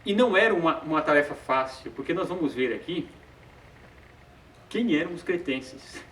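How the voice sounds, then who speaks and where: A man teaches a casual Bible study and speaks a little high. He stalls on repeated filler sounds and chuckles as he talks. He is heard from a distance in a roomy, echoing space. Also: animated, moderate pace, a bit bright, a little hiss or hum.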